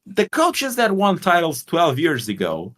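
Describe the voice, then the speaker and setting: A man's voice: fairly high pitch, wildly swooping pitch, unhurried, fairly bright tone. A man from Portugal co-hosting a casual sports podcast, talking bluntly with swearing and rambling explanations. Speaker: podcast co-host.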